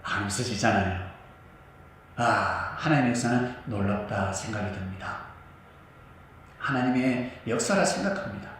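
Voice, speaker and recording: Animated preaching man in echoey hall. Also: fairly low pitch, moderate pace, long pauses, slight background noise. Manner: animated preaching, scolding with rising intensity. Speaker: pastor. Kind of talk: sermon. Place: church sanctuary. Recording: echoey church hall, mic at a distance.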